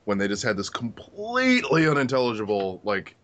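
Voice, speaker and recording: A man's voice: mid-range voice, huge pitch swings, a little fast, fairly bright tone. A man chatting casually as a podcast co-host, playful and teasing, laughing often. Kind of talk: casual chat.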